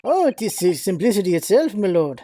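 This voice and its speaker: A man voicing a smooth, genial, self-righteous gentleman in a video game. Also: high voice, big pitch swings, normal speed, faint music behind. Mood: genial, self-assured.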